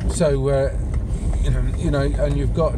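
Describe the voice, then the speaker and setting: Loud background noise fills the recording. A man is speaking. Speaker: vlogger. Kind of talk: casual vlog chat. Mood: opinionated, lightly amused. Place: car. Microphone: phone near.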